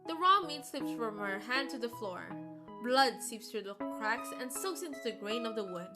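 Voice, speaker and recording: Female streamer, fairly high voice, expressive visual-novel narration, music behind. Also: moderate pace. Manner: expressive storytelling. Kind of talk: reading a visual novel aloud, dramatic narration.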